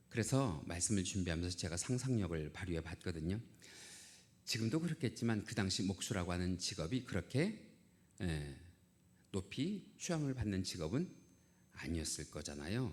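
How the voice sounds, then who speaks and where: Pausing long and often, a man with a very deep, low voice speaks at a moderate pace with lively intonation. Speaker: pastor. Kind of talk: sermon. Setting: church.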